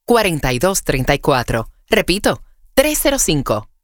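A woman reading a radio ad in a clear announcer voice. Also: low voice, very animated, normal speed, no room sound, clean studio sound. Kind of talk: radio ad read.

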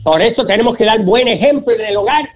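A man's voice: sits high, fast talker. A man playing an indignant old man with a Puerto Rican accent, theatrical and crude in a comic monologue. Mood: preaching. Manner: theatrical, crude, insult-spouting. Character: indignant old man ranting with moral outrage. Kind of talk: comic character monologue in a talk show. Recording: dull, lo-fi sound.

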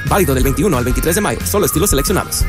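A man's voice: fairly high pitch, expressive, very fast, over music. A man singing and speaking a retail radio jingle in an upbeat singsong sales manner. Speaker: ad announcer. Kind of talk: sung retail jingle with spoken fine print.

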